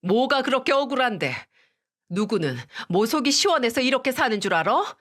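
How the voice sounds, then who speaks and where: A woman voicing a stern older mother-in-law who talks in a sharp, scolding way. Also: a little high, big pitch swings, moderate pace, voice pushed up.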